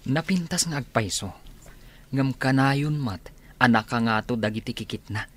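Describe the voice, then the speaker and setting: A man's voice: mid-range voice, normal speed, natural voice. A man with an Ilocano accent, playing a doubtful young man who questions a friend in a radio drama. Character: wary young man doubting someone's change.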